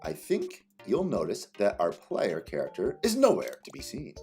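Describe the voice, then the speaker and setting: Male teacher for a game tutorial read-aloud, playful and highly animated, faint music behind. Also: normal speed, creaky. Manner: playful, exclamatory.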